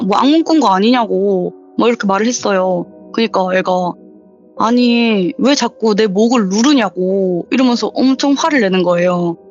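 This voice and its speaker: A woman's voice: medium pitch, darkish tone, dull audio. A young woman in her twenties calling in to tell a true scary story in a chatty, casual way, acting out what people said. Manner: chatty, acts out quoted dialogue. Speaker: viewer telling her story as a caller. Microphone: voice call.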